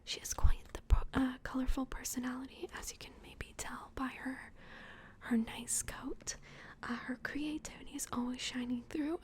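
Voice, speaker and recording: A woman whispers softly in a high-pitched voice. She speaks in a gentle, reassuring ASMR roleplay style, like an adoption worker giving one visitor personal attention. Her delivery stays hushed and unhurried. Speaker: ASMR roleplay host playing a plush toy adoption worker.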